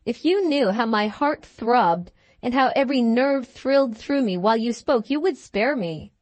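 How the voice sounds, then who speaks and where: A woman's voice: fairly high pitch, animated, normal speed, a little mellow, no echo, close to an everyday voice. A woman voicing a peevish, self-pitying young husband who speaks in a sulky, sarcastic way in an audiobook.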